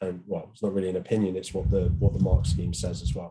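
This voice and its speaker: With a British accent, a man is talking. He keeps a fairly quick pace. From Britain. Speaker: teacher. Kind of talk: tutorial. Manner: halting.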